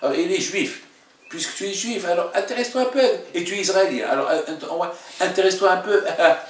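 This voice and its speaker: With a high-pitched voice, a rabbi teaches an informal religious lesson that includes questions. His delivery is halting and emphatic, often repeating phrases, and the distant mic picks up the room's echo.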